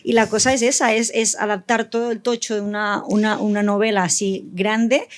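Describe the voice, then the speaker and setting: A woman's voice: mid-range voice, little pitch movement, moderate pace. A woman speaking informally as a panelist in a casual discussion, tentative and often correcting herself as she explains her work. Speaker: audio fiction writer and panelist.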